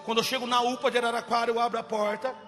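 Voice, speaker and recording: Impassioned high-voiced male preacher. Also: little pitch movement, very fast, big-room sound, soft background music. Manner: impassioned, swings from loud cries to hushed. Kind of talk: testimony sermon.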